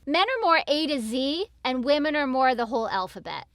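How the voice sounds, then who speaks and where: A woman's voice: high voice, very animated, brisk, fairly bright tone, no echo, studio quality. A woman co-hosting in casual banter, teasing and playfully bossy. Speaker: co-host.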